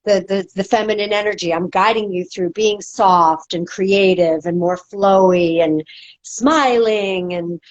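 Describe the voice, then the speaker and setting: A movement and dance instructor talks as a podcast guest in a medium-pitched voice, keeping a measured pace. Her casual speech has many fillers and restarts, captured in dull lo-fi sound.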